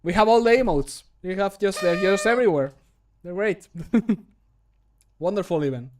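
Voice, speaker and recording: A man in his thirties chatting casually and jokily on a livestream, in an animated, self-amused way. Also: sits high, normal speed, noisy background. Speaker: streamer and hobby game modder recording voice lines. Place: small home room, indoors.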